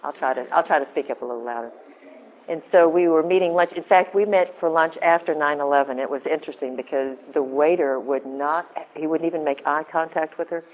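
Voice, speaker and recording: A woman with a deep voice giving an informal, earnest talk to a women's group, often breaking off and restarting. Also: brisk, highs cut off, slight background noise. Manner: rambling, self-interrupting, earnest. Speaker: women's ministry speaker.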